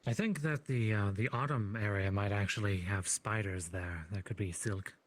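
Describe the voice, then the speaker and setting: A man's voice: fairly low pitch, moderate pace, close to an everyday voice. A man playing a courteous, helpful fantasy adventurer in improvised roleplay, speaking politely and with some hesitation. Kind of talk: improvised virtual-world roleplay.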